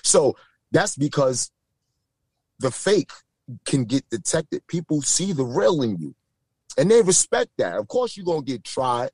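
A man's voice: on the high side, unhurried, pauses often, breathy edge, no room sound. New York man telling street stories. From Brooklyn, New York. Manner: repeats himself, stacks fillers and restarts, animated. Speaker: guest. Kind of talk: casual interview storytelling.

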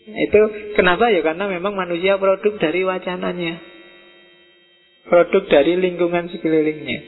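A middle-aged man giving a relaxed, conversational philosophy lecture to students and slipping into Javanese words. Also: high voice, normal speed. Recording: tinny phone-like audio in a reverberant hall.

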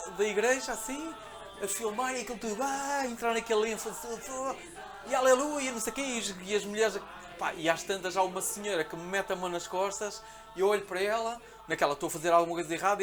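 Portuguese guest, male, rapid-fire animated storyteller with a high voice, acts out quotes. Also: over music. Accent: European Portuguese. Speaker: podcast guest. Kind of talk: casual storytelling.

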